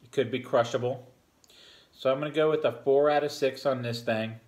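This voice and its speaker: A man in his forties gives a relaxed, rambling beer review full of fillers, talking at a table in a home bar room. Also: medium pitch, moderate pace. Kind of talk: casual beer review vlog. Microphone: fixed camera at a table.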